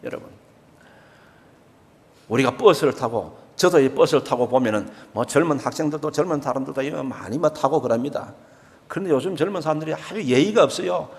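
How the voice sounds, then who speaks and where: A man's voice: a little high, lively intonation, fast talker, a little mellow. An older man with a Gyeongsang accent preaching a sermon, emphatic and repetitive, acting out everyday speech. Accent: Gyeongsang Korean. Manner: emphatic, repeats key phrases, acts out everyday speech. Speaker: pastor. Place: church sanctuary. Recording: long church reverb.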